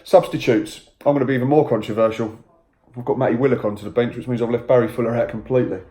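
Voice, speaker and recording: A man hosting a casual football podcast, chatty and teasing, with quick asides. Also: medium pitch, steady tone, dark tone. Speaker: podcast host. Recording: echoey room.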